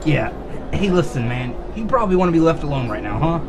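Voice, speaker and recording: An actor playing a pushy, slangy small-time hoodlum sidekick in a radio drama. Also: male voice, fairly high pitch, big pitch swings, fast talker, over music. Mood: brisk.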